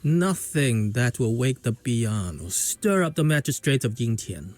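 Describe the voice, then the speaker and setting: An actor voicing a scheming, menacing black market debt collector in a video game, taunting and brash. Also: male voice, medium pitch, big pitch swings, a little slow. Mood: sly, taunting. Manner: taunting, swaggering.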